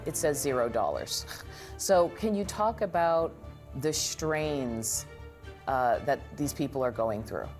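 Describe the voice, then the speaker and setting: A woman's voice: a bass voice, lively intonation, slow pace, darkish tone, faint music behind. A woman news anchor conducting a live television interview.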